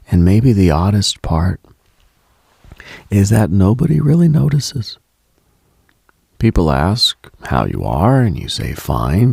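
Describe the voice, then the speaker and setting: A man hosting a late-night radio show, speaking in a hushed, intimate, contemplative monologue with long pauses and a husky, breathy edge. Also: low voice, dry recording, studio quality.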